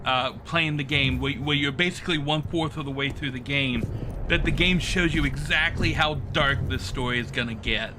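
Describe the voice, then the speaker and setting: A man's voice: medium pitch, moderate pace, noisy background. A man casually commentating on game cutscenes and explaining the lore as host. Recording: faint game music behind speech.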